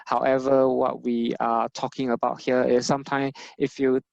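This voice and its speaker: Hesitant man, flat steady voice. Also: mid-range voice, normal speed, gravelly, no room sound, highs cut off. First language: not English. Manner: hesitant, many filler sounds. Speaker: public health lead presenter. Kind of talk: personal story in an educational talk.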